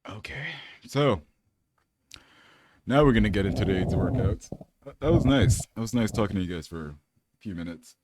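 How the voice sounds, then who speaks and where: A man's voice: lowish voice, lively intonation, moderate pace, pauses often, darkish tone, slight background noise. A man from California in his thirties, chatting casually to camera as a fitness vlogger, rambling and laid-back with lots of fillers.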